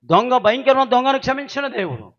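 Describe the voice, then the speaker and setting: High-voiced impassioned male preacher. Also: lively intonation, fast. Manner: impassioned, swinging from loud outcries to hushed storytelling. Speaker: pastor. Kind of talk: sermon. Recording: dull lo-fi recording.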